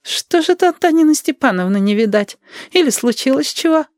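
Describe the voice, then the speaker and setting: A man reading a story and voicing a nosy, grumbling old grandmother in a high, drawling, sing-song voice. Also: animated, fairly quick, dry recording, clean studio sound. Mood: sweetly prying.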